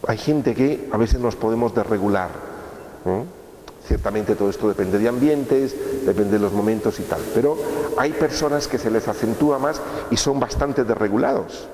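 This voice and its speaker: A man with a lowish, somewhat mellow voice speaks at a moderate pace, delivering a course lecture conversationally. He asks rhetorical questions and checks in with listeners in a lecture room, recorded in an echoey hall with faint room noise.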